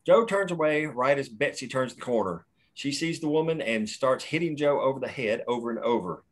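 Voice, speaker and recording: A man's voice: medium pitch, expressive, brisk. A man plainly reading the action lines and stage directions at a screenplay table read.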